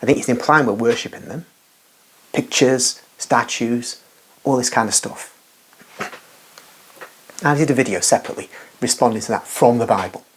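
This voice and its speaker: A man's voice: medium pitch, normal speed, long pauses, slightly rough. A man giving an unscripted, rambling religious monologue as a Catholic commentator, emphatic and full of asides and restarts.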